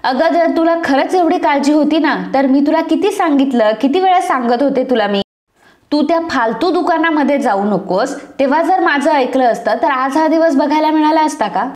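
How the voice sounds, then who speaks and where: A woman narrator voicing an angry, domineering older mother who scolds loudly in a serial recap. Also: sits high, normal speed, roomy sound, close to an everyday voice. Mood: furious. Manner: scolding, shouting.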